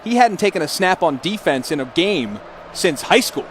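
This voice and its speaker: Guy doing football color commentary, chatty, slightly high voice, noticeable stadium noise. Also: big pitch swings, normal speed, a bit bright. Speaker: color analyst. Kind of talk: conversational football analysis. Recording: broadcast booth, stadium noise behind.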